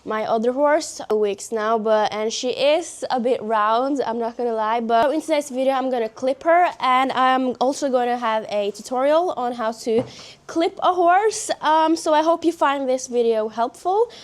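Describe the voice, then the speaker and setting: A woman's voice: high-pitched, normal speed. A teenage girl from Norway with a Norwegian accent, chatting casually through a horse-care tutorial with many fillers. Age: teens. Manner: chatty, lots of fillers, self-conscious. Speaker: horse vlogger. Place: outdoors or stable with her horse.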